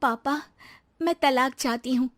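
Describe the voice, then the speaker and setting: A woman plays a young daughter-in-law in a storybook drama. Her voice is high and earnest. She sounds wronged and pleading, with a resolute core. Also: a little slow. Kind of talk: Hindi moral story dramatisation.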